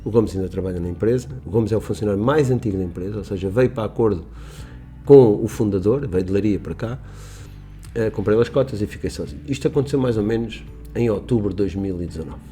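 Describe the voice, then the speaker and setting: A man's voice: lowish voice, fast, mellow, faint music behind. A middle-aged man from Portugal, a business owner telling stories in a rambling, emphatic way on a radio interview. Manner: rambling, emphatic, with restarts and quoted dialogue. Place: radio studio.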